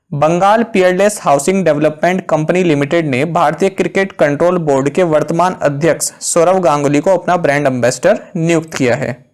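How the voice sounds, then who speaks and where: Indian man teaching a current-affairs quiz. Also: on the high side. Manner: reads questions slowly, then explains in quick asides. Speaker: exam-prep quiz host.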